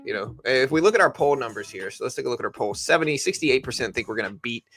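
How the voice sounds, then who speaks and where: A man's voice: mid-range voice, expressive, fast, a bit bright, slightly rough. A man hosting a livestream, casually commenting on the stock market and explaining things conversationally as he answers viewers. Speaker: livestream host.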